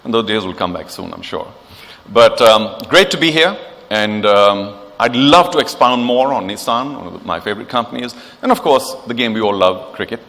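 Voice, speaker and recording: A male emcee speaks in polished, flowery phrases and lifts his voice for emphasis. His voice is on the low side. A long echo from a large hall trails his words. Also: expressive, moderate pace, creaky, a bit bright. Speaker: event host. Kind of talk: formal emcee speech.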